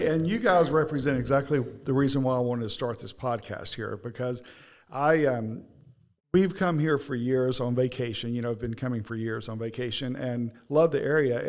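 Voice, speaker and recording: Man, podcast host, casual interview, chatty, joking, mid-pitched voice. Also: brisk. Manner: chatty, joking, trails off and restarts.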